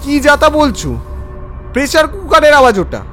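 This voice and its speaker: Guy voicing a concerned doubting friend telling a ghost story, really lively delivery, bit of music behind. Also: very high voice, moderate pace, heavily acted. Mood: exasperated. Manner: animated, expressive, questioning. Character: Nilkanta, concerned, skeptical man narrating a ghost story. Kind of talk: dramatic scripted Bengali audio story narration. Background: background music.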